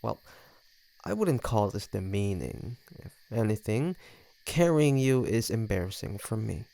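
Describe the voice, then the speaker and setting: Man voicing a smug, creaky low-voiced flirty vampire. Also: animated, unhurried, mellow. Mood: wry, sardonic. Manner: teasing, smug, sardonic. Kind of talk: scripted audio roleplay addressed to the listener.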